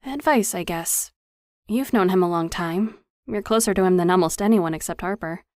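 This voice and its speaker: A worried young woman in a storybook, as a female reader voices her, hesitant and a touch higher than the narration around her. The recording is close and dry. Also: normal speed, a little mellow, dry recording, close to an everyday voice.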